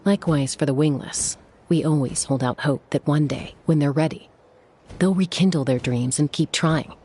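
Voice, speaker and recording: A woman playing a composed, protective tribal warrior in a video game, explaining things in a measured, frank way. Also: deep voice, dark tone, slightly rough. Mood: reassuring. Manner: measured, matter-of-fact explaining. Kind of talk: video game dialogue acting.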